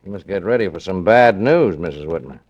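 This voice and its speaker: A clipped police lieutenant. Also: male voice, deep voice, expressive, brisk, darkish tone, highs cut off. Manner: clipped, official. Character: brisk, formal police lieutenant. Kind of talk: 1940s radio acting.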